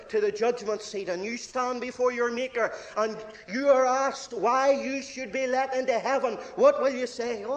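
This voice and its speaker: High-voiced emphatic Northern Irish preacher. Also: male voice. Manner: emphatic preaching, swinging between hushed asides and ringing declarations; addresses listeners directly as friend. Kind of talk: verse-by-verse sermon.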